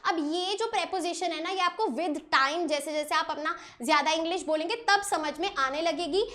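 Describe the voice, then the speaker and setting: A woman from India teaching an online grammar lesson, often checking that students follow and praising them, and reading example sentences out slowly. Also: very high voice, sharp tone.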